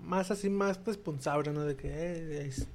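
A man's voice: a little high, unhurried. A Mexican man with a Mexican accent, co-hosting a casual podcast chat and chiming in with short agreeing replies. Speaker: podcast co-host.

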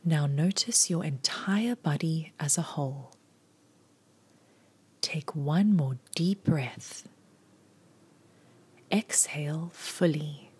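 Her voice is deep with a darkish tone as she guides a scripted body scan meditation, almost whispering and breathy, offering calm, unhurried directions in brief phrases.

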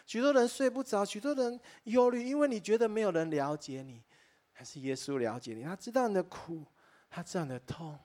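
Male pastor with a somewhat high voice, preaching live in church. Earnest storyteller who often exclaims in wonder and turns to address the congregation directly. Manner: addresses listeners directly and warmly as dear friends. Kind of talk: sermon.

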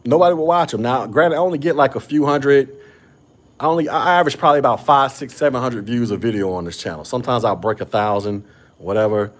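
Husky man with a slight stutter. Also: medium pitch, fast. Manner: slight stutter, frequent restarts. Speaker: podcast host. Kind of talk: casual podcast chat. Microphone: podcast microphone.

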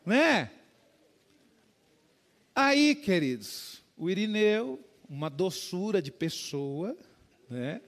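A man's voice: sits high, sing-song, slow pace. A man preaching a conversational sermon as a pastor, often addressing the congregation as "dear ones". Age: adult with a young child.

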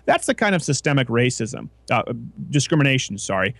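A man's voice: medium pitch, big pitch swings, fairly quick, a bit bright, dry recording. Opinionated male talk radio host. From Canada. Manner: opinionated, talks in long run-on explanations with restarts. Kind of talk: casual radio talk show chat.

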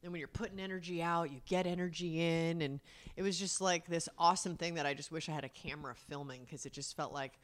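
A woman in her thirties co-hosting a podcast, telling stories casually with wry, deadpan quips. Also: lowish voice, quick pace. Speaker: podcast co-host. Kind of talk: casual chat.

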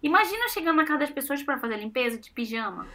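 Woman, young adult, from Brazil, casual chat, self-mocking, bright tone. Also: high-pitched, very fast. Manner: animated storytelling with self-mocking exclamations.

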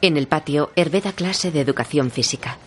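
A narrator calmly reading audio description of the scenes between lines of dialogue. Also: medium pitch, a little fast. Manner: even, descriptive.

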